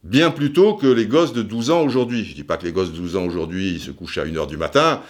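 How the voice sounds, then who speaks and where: A man's voice: sits low, quick pace. A man in his forties from France, hosting a podcast and telling a long personal story in a chatty, digressive way with many fillers and restarts. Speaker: podcast host. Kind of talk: casual storytelling monologue.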